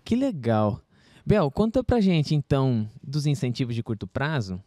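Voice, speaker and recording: A man's voice: mid-range voice, big pitch swings, moderate pace, no echo. Appreciative Brazilian man hosting a podcast. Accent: Brazilian Portuguese. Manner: warm, appreciative, reflective. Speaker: podcast host. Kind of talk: conversational interview.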